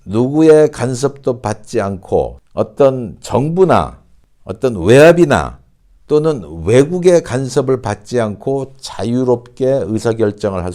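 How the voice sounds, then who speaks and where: A man teaching an online English pronunciation lesson, speaking slowly and deliberately and repeating example sentences. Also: medium pitch, dark tone.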